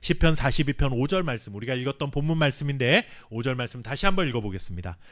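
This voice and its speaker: A Korean pastor preaching a sermon with earnest emphasis and dramatic pauses, sometimes reading scripture slowly. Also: male voice, mid-range voice, expressive, a bit bright. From South Korea. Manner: reads scripture aloud slowly with the congregation.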